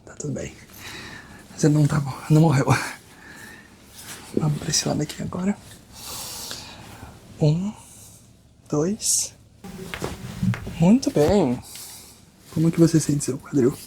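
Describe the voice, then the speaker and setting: A Brazilian man in a soft-spoken ASMR roleplay as a chiropractor, reassuring and hushed, guiding the listener step by step and sometimes slipping into a whisper. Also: a little high, takes it slowly, pauses often. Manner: reassuring, talks the listener through each step. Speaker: ASMR creator playing a chiropractor. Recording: close binaural recording with background noise.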